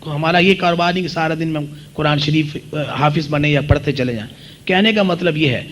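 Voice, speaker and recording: A man's voice: fairly high pitch, fairly bright tone, low-quality recording. A man from the audience politely and deferentially asking a long-winded question after a lecture.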